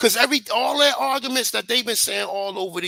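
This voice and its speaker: In a raised, projected voice, a man speaks at a high pitch and a fairly quick pace with an animated tone. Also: dry, close sound with no echo. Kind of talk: heated livestream rant. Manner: stutter.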